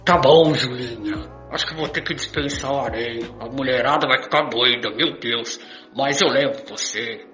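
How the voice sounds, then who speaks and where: A man's voice: mid-range voice, normal speed, sharp tone, close to an everyday voice. A man playing a rich, boastful womanizer coaxing his many lovers in an amateur radio soap. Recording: dull lo-fi recording, music behind.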